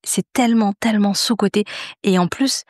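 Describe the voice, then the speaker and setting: A woman's voice: medium pitch, normal speed, darkish tone, dry recording, clean studio sound. A woman hosting a podcast in a casual, conversational interview style. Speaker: podcast host.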